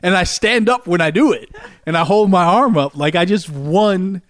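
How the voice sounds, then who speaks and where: A middle-aged man with a slightly high voice tells a story in loose, casual chat, loud and full of laughter. The recording is close and dry, with no room sound. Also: moderate pace, no echo. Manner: loud, animated, laughs often while telling stories.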